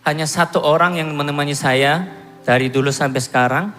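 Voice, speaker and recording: A man in his thirties from Korea, giving a self-mocking, animated church testimony. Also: on the high side, a little fast. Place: church hall. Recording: long hall reverb with music behind.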